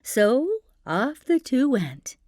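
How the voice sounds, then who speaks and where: A woman telling a children's story, gentle and expressive, with startled exclamations. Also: a little high, slow, no room sound, studio quality. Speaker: storyteller host. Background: music.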